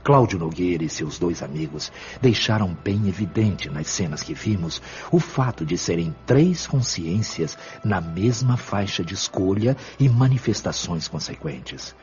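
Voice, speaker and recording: Man acting a deep-voiced, calm spirit mentor. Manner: measured, didactic, formal diction. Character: calm wise male spirit mentor, patient and firm. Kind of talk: audio drama dialogue. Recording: dull lo-fi audio.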